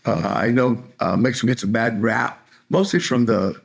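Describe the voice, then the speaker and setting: An older man from California, chatting casually in an interview with easygoing warmth and occasional laughs. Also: mid-range voice, normal speed, gravelly, husky. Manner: easygoing, chatty, laughs while telling stories. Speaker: interviewee, retiree in Mexico.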